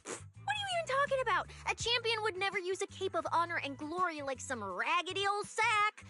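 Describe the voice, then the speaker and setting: An actress voicing a game character who tells a legend and scoffs at a friend, in video game voice acting. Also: female voice, very high-pitched, sing-song, a little slow, sharp tone, faint music behind, full character voice.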